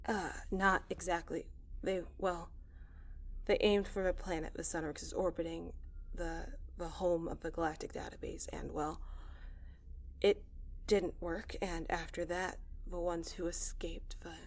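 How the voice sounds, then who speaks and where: A woman's voice: fairly low pitch, fairly even intonation, a little slow. A woman voicing an anxious, naive young man in a science fiction audio drama, hesitant, stammering and earnest. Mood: hesitant, grim.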